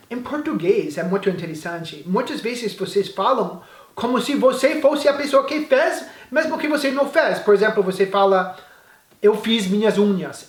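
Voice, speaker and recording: A native English-speaking man teaches an English lesson in Portuguese, pronouncing the model phrases slowly and with care. His voice is high, and the recording is reverberant.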